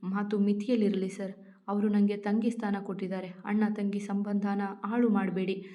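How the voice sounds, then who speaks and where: A woman reading out a gentle young woman who begs tearfully and pushes back, in a storybook reading. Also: medium pitch, level tone, normal speed, highs cut off, close to an everyday voice. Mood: defiant. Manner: pleading, tearful. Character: gentle young woman, pleading yet defiant.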